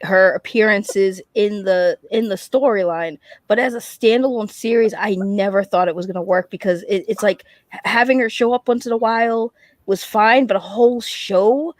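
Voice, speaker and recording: A woman with a mid-pitched voice in a casual panel conversation, recorded close and dry. She is informal and animated, circling back over her phrases as she makes a point. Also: moderate pace, no room sound. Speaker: panelist on an entertainment chat show. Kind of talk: casual group chat.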